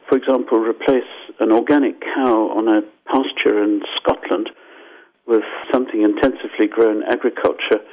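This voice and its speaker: Older man from Zimbabwe on a dull phone line. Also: on the low side. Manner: thoughtful, explanatory, restarts and lively asides. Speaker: scientist guest. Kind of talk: radio interview answers.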